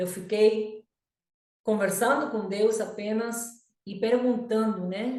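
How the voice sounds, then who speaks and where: In a room with audible echo, a woman with a fairly high pitch speaks very slowly and with fairly even intonation, leaving long, frequent pauses. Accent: Spanish. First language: Spanish (speaking Portuguese). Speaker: evangelical preacher. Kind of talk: prophetic testimony. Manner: halting, with repetitions and fillers.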